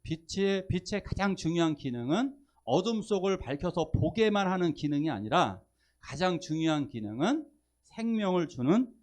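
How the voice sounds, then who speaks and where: A man's voice: high voice, normal speed. A male pastor preaching a Sunday sermon, posing questions to the congregation and joking with them. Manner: lively, asks the congregation questions and jokes with them. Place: church service.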